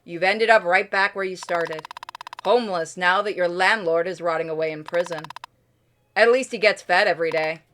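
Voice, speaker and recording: A woman's voice: lowish voice, moderate pace, fairly bright tone, a little hiss or hum. A woman streaming a game, reading its story aloud as dramatic narration.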